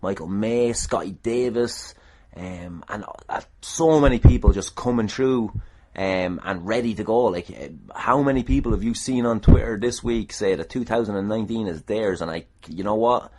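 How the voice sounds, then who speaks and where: A man with an Irish accent and a deep voice talks casually as a solo podcast host. He is self-deprecating and irreverent, with the odd mild swear. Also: normal speed, darkish tone. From Ireland.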